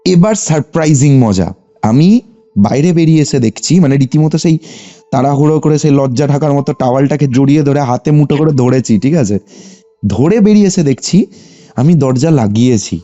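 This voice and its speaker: A man's voice: mid-range voice, moderate pace. A young man with a West Bengal Bengali accent tells a personal story conversationally as a caller, often checking that his listener follows. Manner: animated telling, often seeking confirmation with short tags. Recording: muffled lo-fi phone call, music behind. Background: background music.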